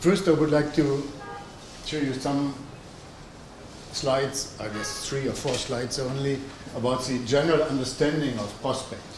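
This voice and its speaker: With music in the background and audible room echo, a man with a German accent speaks at a fairly slow pace and medium pitch with fairly even intonation. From Germany, North Rhine-Westphalia. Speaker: managing director, labor market expert. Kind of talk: lecture. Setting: university seminar.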